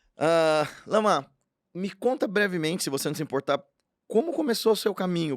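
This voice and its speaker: Very fast and energetic in tone, a man speaks in a dry, close recording with no echo, very clean with a silent background. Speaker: podcast host. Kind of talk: interview.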